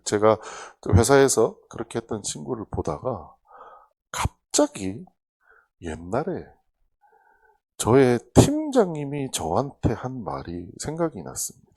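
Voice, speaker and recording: A woman pastor preaching a sermon in a church, telling stories animatedly. She acts out quoted dialogue, jumping to loud bursts and dropping to hushed asides. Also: rumbling low, breathy edge. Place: church sanctuary.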